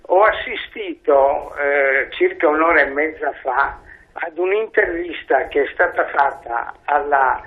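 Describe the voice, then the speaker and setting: A man calling in to a talk show over the phone, speaking slowly and earnestly. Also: fairly high pitch. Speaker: caller. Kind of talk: call-in comment on radio talk show. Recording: tinny phone line.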